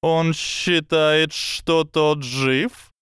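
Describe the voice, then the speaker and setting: Man doing a sly hissing snake, higher and louder than his own voice, slow and lecturing, crisp dry recording. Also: fairly even intonation, no echo. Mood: scheming. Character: sardonic scheming male snake, cunning mentor. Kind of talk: audiobook character voice.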